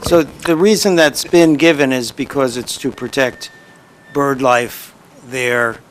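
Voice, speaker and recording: A man speaks up as a councilman at a town meeting, cutting in with quick stammered restarts. Faint background noise from the chamber sits under his voice. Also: medium pitch, rough recording. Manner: interjecting, defensive, stammering.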